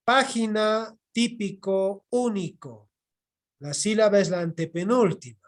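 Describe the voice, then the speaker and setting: Slow high-voiced Bolivian male teacher. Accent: Bolivian Spanish. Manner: slow, repetitive explaining with checking "¿ya?". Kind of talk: online class lecture. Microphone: computer mic on video call.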